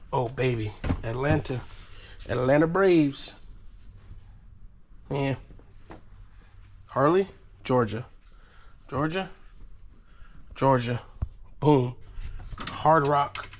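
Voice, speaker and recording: A man's voice: mid-range voice, extremely slow, long pauses, slight background noise. A man in his thirties casually narrating as he digs through boxes in a storage unit, exclaiming over each find. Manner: excited, exclaiming over finds. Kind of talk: casual unboxing commentary.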